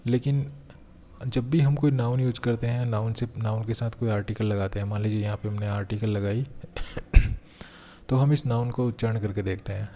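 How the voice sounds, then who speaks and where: Mellow-voiced man teaching a grammar lesson. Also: on the low side, flat delivery, a little hiss or hum. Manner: explains step by step, slows down to read example sentences aloud. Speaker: English teacher. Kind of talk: exam-prep grammar lesson.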